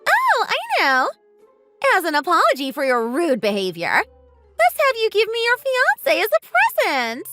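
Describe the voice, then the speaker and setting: A woman's voice: high-pitched, big pitch swings, normal speed, over loud music. A woman voicing a vain, scheming young woman who taunts in a smug, sing-song way. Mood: taunting.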